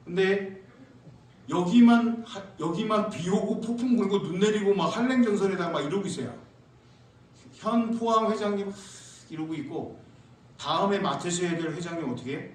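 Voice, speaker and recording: A male pastor preaching a sermon, telling a lively story and acting out church members. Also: sits high, normal speed. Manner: animated, acts out church members and sings hymn lines. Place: church sanctuary. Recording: echoey church hall, mic from far off.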